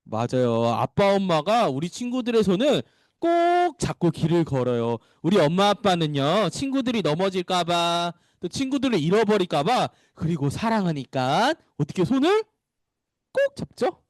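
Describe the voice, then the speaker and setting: A pastor leads a children's sermon in a high, bright voice and keeps asking the little ones questions before he answers them himself. His storytelling is playful and animated. The sound is dry and close. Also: moderate pace, no echo.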